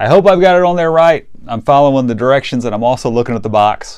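With a slightly mellow tone and ordinary pitch variation, a man talks at a fairly quick pace.

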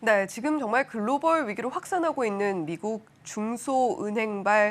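A woman's fairly high pitch with very wide pitch swings at a fairly slow pace. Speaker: TV news anchor. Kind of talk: TV segment presenting.

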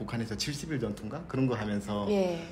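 Light background noise under a man talking at a moderate pace. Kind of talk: interview answer. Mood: calm, recounting a personal story. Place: cafe.

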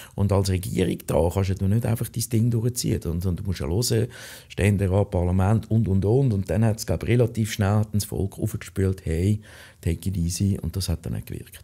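Against a quiet background, a man with a fairly low pitch and a dark, mellow, somewhat breathy tone speaks at a moderate pace with ordinary pitch variation. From Switzerland. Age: 50s. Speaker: restaurant owner; podcast guest. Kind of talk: interview. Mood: relaxed, open, conversational. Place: studio. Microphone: studio mic.

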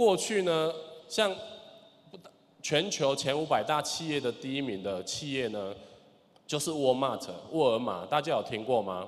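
Over noticeable background noise, a speaker with a Taiwanese accent talks at a fairly slow pace, with very wide pitch swings and long, frequent pauses. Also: man, fairly high pitch for a man. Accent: Taiwanese Mandarin. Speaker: network marketing speaker. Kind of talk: sales pitch. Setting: stage with audience.

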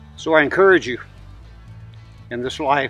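A man's dry voice with no echo over faint music in the background. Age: 60s. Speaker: pastor and traditional bow hunter. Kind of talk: devotional message to camera. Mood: earnest, encouraging. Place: forest.

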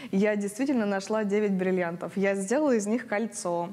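A woman speaks with ordinary pitch variation at a moderate pace. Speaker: host of esoteric channel. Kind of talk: casual storytelling to camera. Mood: warm, smiling, enthusiastic. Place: studio. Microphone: lapel.

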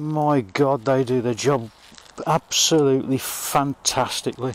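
The speaker is a man with a fairly high pitch and a Midlands accent. The sound is dry, with no echo. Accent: Midlands English, Birmingham-like. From English Midlands. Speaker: e-bike builder and YouTuber. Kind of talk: casual vlog and tutorial. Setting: indoors workshop, later outdoors. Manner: rambling, informal. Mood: pleased, enthusiastic. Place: bicycle.

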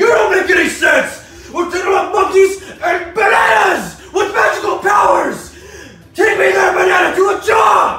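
A man shouts in a cartoonish character voice at an extremely high pitch. He keeps a moderate pace, with a slight echo. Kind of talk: comedy parody skit.

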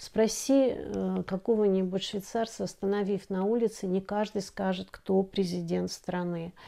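Fairly slow, fairly even intonation from a woman against a quiet background. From Kazakhstan. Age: 60s. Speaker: former TV executive and political video blogger. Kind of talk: monologue to camera. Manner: halting, with fillers. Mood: calm, serious. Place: home room.

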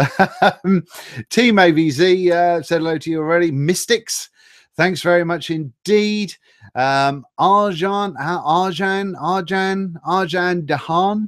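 A man speaks at a very slow pace, his pitch high with ordinary variation. The background is quiet. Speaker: live vlog host. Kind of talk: casual live stream chat, reading out viewer names. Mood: cheerful, laughing. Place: studio. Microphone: studio mic.

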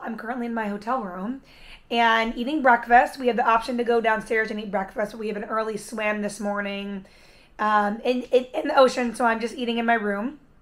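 A woman's fairly quick speech with fairly even intonation. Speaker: athlete vlogger. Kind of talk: casual vlog chat. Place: home room. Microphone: phone near.

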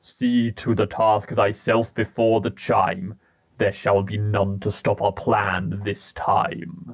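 Fairly low in pitch, a man speaks at a fairly slow pace. His intonation stays fairly even. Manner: cold, commanding.

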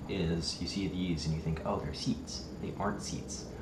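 A man speaks with a very deep, low voice. Noticeable background noise can be heard. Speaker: streamer. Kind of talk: casual vlog chat. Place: home room.

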